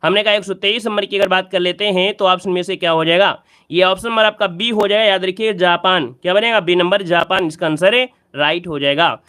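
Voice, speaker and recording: Male exam-prep teacher, high-pitched, repetitive quizzing delivery. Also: a little fast, sharp tone, clean tone. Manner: repetitive, quizzing the viewer and repeating key answers. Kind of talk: exam practice lesson.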